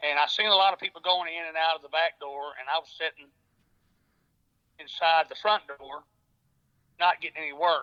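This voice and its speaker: With a western Kentucky accent, a man speaks at a fairly quick pace in a fairly high pitch with ordinary pitch variation. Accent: western Kentucky Southern US. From Paducah, Kentucky. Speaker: construction safety manager. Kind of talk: interview storytelling.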